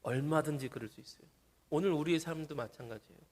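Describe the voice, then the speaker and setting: A man preaching a sermon as pastor in a church, animated and acting out the people he quotes. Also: fairly high pitch, fast. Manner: animated, acts out quoted voices.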